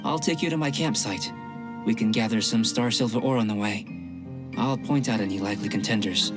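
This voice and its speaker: A man voicing a calm young male alchemist in a game, measured, clinical and politely detached. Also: on the low side, close to an everyday voice. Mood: composed. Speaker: game character. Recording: game audio with music behind.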